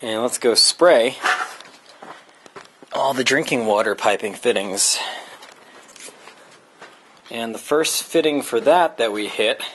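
A young man narrating a hands-on plumbing demonstration, explaining each step in a relaxed, casual way with fillers. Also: medium pitch, slow, long pauses, slight background noise. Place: indoors in a tire-walled building under construction.

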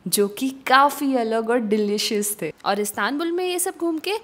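A young woman narrating a travel vlog voice-over in a calm, informative storytelling manner. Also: on the high side, normal speed. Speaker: travel vlogger.

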